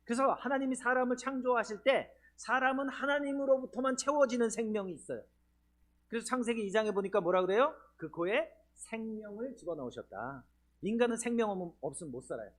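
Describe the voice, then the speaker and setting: A man preaches a sermon at a church seminar. His voice sits high and swings widely in pitch. He keeps putting rhetorical questions to the people in the pews. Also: expressive, brisk. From Chungcheong region, Korea. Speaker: pastor. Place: church sanctuary.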